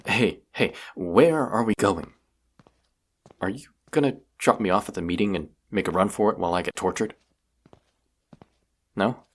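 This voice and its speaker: A man's voice: low voice, exaggerated voice. A man playing a stubborn, injured vampire hunter in an audio drama, grumbling sarcastic banter. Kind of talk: scripted roleplay audio drama.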